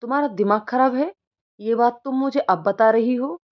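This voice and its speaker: A woman's voice: medium pitch, a little slow, highs cut off, natural voice. A woman voicing a short-tempered rich young man who scolds his servants but cares for his grandmother, in a storybook reading. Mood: angry. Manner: sharp, commanding, scolding.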